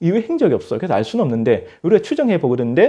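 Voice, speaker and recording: Against a quiet background, a man speaks in a dark, mellow tone with vocal fry. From South Korea. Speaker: history lecturer. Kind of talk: lecture. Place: studio.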